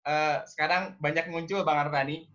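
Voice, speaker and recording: Brief: man, parenting talk host, bright forceful voice, a bit high, muffled audio. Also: steady tone, normal speed. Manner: engaging, asks audience, acts out scolding parents. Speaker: parenting speaker.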